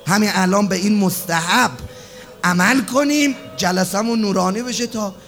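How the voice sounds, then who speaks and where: Man, very high-pitched, mourning sermon, impassioned, shouting then hushed, slow chanted prayers. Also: faint music behind. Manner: impassioned, swinging between shouts and hushed low tones. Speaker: mourning preacher.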